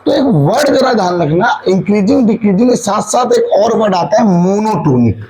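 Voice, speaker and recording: A man's voice: high-pitched, animated, normal speed, darkish tone, a little hiss or hum, rough recording. A man teaching a maths lesson, asking and answering his own questions and mixing English maths terms into his Hindi. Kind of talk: classroom lecture.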